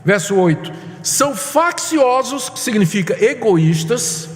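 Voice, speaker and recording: High-voiced man preaching with urgent emphasis. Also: very animated, a little slow. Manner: emphatic, urgent, repeats for weight. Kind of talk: sermon. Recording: hall reverb.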